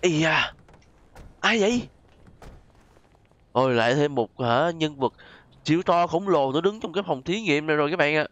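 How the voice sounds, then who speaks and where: A man's voice: on the high side, expressive, normal speed, long pauses, fairly bright tone, no room sound, dull audio. A man with a southern Vietnamese accent giving chatty, exclamatory gameplay commentary and often addressing his viewers. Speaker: gaming YouTuber host. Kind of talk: casual gameplay commentary with role-play.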